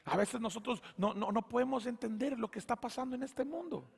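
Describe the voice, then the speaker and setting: A man, preaching a sermon as pastor, telling stories animatedly and booming on key points. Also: fairly quick, vocal fry, breathy edge. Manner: animated storytelling, voices characters, booming emphasis. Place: church sanctuary.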